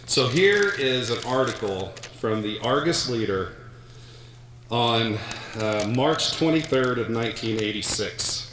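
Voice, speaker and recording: A man's voice: mid-range voice, animated, slow pace, fairly bright tone, a little hiss or hum. A middle-aged man giving a hall of fame acceptance speech, telling stories with many restarts and repeated words. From United States. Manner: rambling storyteller with many restarts. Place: large hall. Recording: echoey hall.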